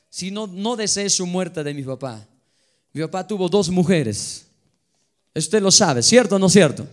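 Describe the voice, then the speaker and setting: Pastor guy preaching in a church hall, high voice, gets loud and fervent on a handheld mic. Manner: fervent preaching with sudden shouted exhortations. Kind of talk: sermon.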